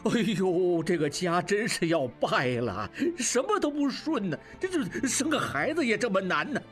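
A man's voice: fairly high pitch, sing-song, moderate pace, faint music behind. A man playing a flustered, stammering household head. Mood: panicky, fretful. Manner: stammering, exasperated exclamations. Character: flustered middle-aged male household head, panicky. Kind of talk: audiobook drama acting.

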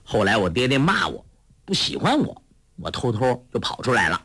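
A man's voice: big pitch swings, fairly bright tone, slightly rough, no room sound, clean studio sound. A man voicing a clever, playful teenage girl in a storybook reading, in a raised, coaxing voice. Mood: plaintive. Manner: high, quick, coaxing.

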